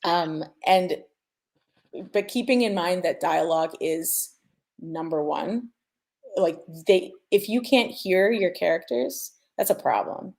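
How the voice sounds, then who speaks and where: Low, creaky-voiced woman explaining her craft. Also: slow, a little mellow. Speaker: sound designer sharing mixing advice. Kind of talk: informal panel explanation.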